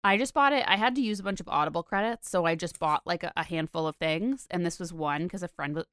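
A young woman from Connecticut, co-hosting a podcast in a chatty, animated way with lots of filler words. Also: lowish voice, quick pace, clean tone, no room sound, studio quality. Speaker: podcast co-host. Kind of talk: casual chat.

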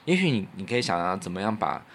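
A man's voice: low-pitched, sing-song, quick pace, fairly bright tone. A man with a Taiwanese Mandarin accent hosting a podcast in casual, reflective chat, telling anecdotes in an earnest way. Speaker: podcast host; musician.

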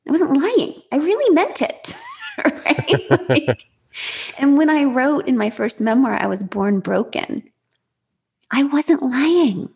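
Woman author, high voice, talks fast, lots of restarts, openhearted chatty guest. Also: gravelly. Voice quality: high-pitched voice. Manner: fast, animated, self-revealing, many restarts. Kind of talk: casual interview talk.

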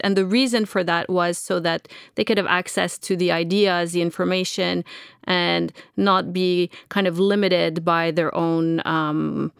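A woman's voice: lowish voice, gravelly, clean tone, no echo, clean studio sound. A woman interviewer who asks curious questions and sums up the answers to check them. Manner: curious, summarizing and checking back.

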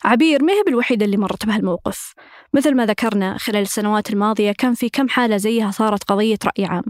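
A woman narrating a documentary podcast in a measured storytelling manner. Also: mid-range voice, no room sound, studio quality. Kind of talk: scripted narration.

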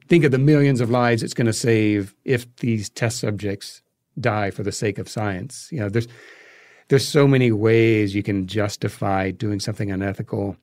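Low-voiced American man explaining things. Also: a little mellow, no room sound, clean studio sound. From United States. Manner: thoughtful, explains at length. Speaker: filmmaker, podcast guest. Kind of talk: conversational interview, explanatory.

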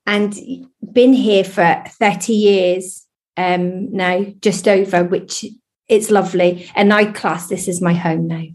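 A woman's voice: mid-range voice, fairly even intonation, slow. An English woman in her fifties with a slightly Scottish-sounding accent, a spiritualist medium candidly sharing her life story in a podcast interview. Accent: English, with a Scottish tinge. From England. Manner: earnest, candid, warm.

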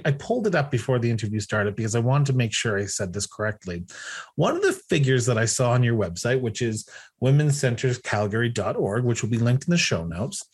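A man's voice: medium pitch, slightly rough. A man hosting an interview show, speaking with emphasis and repeating words as he stresses his points. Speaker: podcast host.

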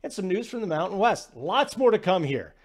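A man's voice: high-pitched, big pitch swings, fairly quick. A man hosting a sports betting radio show, talking in an emphatic, casual way and often asking "okay?".

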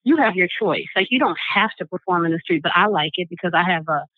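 A woman from Michigan who sings jazz on the street, talking reflectively with soft laughs in a phone interview. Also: on the low side, lively intonation, fast talker, no room sound. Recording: tinny phone line.

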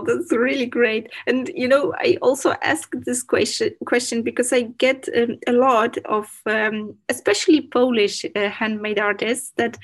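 A woman hosting an interview, talking in a chatty way and often saying "you know". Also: mid-range voice. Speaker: podcast host. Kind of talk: conversational interview.

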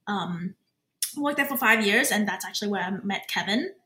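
A woman's voice: medium pitch, lively intonation, normal speed, bright, forceful tone. Chatty woman who grew up in australia, on a podcast, echoey room. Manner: chatty, laughs easily. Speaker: guest, cooking YouTuber. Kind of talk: casual podcast chat.

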